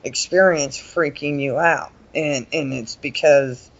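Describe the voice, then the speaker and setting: This paranormal investigator, appearing as an interview guest, tells stories in a chatty, folksy way and often voices quoted remarks. His gravelly voice sits on the high side, with fairly even intonation and a slow pace, captured on dull lo-fi audio.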